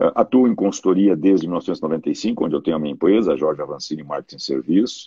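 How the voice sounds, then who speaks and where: Fairly quick, near-continuous speech from a man with hardly any pauses. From southern Brazil, Porto Alegre. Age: 60s. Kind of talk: casual interview.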